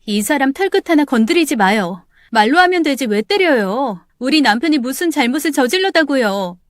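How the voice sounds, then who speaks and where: A woman's voice: sits high, expressive, normal speed, clean tone, no room sound, studio quality, pitched above the performer's own voice. A woman voicing a shocked young wife who pleads frantically while defending her husband. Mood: frantic.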